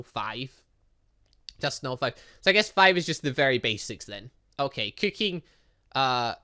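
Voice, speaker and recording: A man gives let's play commentary in a bright voice. His pitch moves around a lot, and he reads on-screen text aloud in an animated way, stumbling now and then. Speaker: gaming video host.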